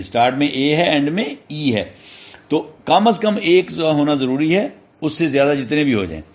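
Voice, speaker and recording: A man's voice: a little high, lo-fi sound. Patient male teacher spelling words. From Pakistan. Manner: checks in often with short questions. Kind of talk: classroom lesson explaining English syllables.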